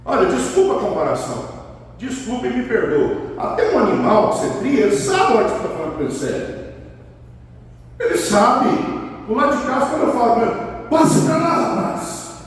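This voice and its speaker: A man's voice: extremely high pitch, very animated, a little fast. A man with a Brazilian Portuguese accent preaching a sermon as pastor, emphatic and repeating his key phrases. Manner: emphatic, repeats key phrases, acts out a father's stern talk. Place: large church hall. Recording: echoey hall, voice from far off.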